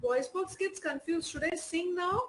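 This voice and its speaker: A woman's voice: very high voice, unhurried, a bit bright. A woman teaching an online class in Indian English, explaining patiently with many "you know" fillers.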